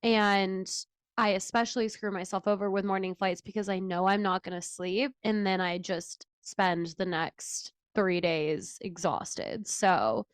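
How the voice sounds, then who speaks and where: A woman's voice: medium pitch, unhurried, smooth, dry recording, studio quality. A woman co-hosting a casual chat podcast, nasal and stuffed up from a cold, tired and chatty with frequent laughs and fillers. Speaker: podcast co-host.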